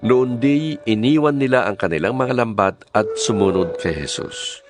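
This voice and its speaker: A man's voice: mid-range voice, moderate pace. A man with a Filipino accent narrating a scripted audio Bible. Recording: music under the voice.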